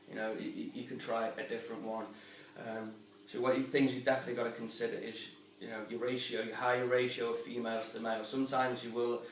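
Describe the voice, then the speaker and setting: A man's voice: mid-range voice, a little hiss or hum. A man casually explaining aquarium fish care in a rambling, informal, chatty way, recorded at home beside a fish tank. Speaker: aquarium hobbyist and channel host. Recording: roomy, distant sound with faint ambience.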